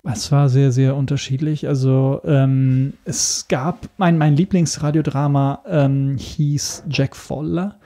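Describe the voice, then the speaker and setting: A man's voice: mid-range voice, fairly even intonation, mellow. A man talking casually as a podcast guest, searching for words and often restarting his phrases. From Italy. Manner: halting, searching for words with repeated starts. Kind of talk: casual interview talk.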